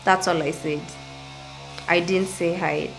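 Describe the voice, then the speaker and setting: A young woman vlogging casually at home, rambling and thinking out loud as she talks. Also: on the low side, steady tone, slow pace, gravelly, music in the background, poor audio. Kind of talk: casual vlog chat. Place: at home, indoors.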